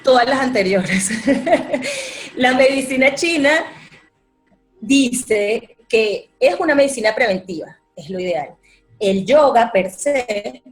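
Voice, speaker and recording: A woman, a yoga teacher calmly explaining her practice in an interview. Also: fairly high pitch. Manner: calm, explanatory, repeats words for emphasis. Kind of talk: interview answer.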